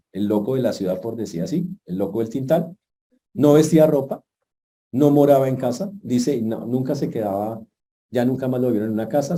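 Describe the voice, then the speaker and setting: A man preaching a sermon as pastor, telling the story in a lively way with jokes and asides to the congregation. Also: mid-range voice.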